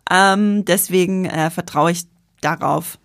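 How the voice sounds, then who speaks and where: A woman's voice: fairly low pitch, measured pace, creaky, dry recording, clean studio sound. A woman with an Austrian accent, chatting casually on a podcast about an upcoming series, with many fillers and restarts. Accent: Austrian German. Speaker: podcast co-host, film journalist.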